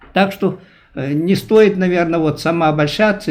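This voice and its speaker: A man speaks over noticeable background noise. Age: 70s. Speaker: round table participant. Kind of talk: panel discussion. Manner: halting.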